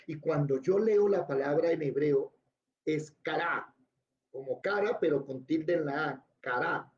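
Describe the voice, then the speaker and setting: Man Bible teacher, high mellow voice, quizzes the class, dull lo-fi sound. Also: normal speed, reverberant. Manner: spells out words letter by letter and quizzes students. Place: classroom with students. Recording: dull lo-fi recording.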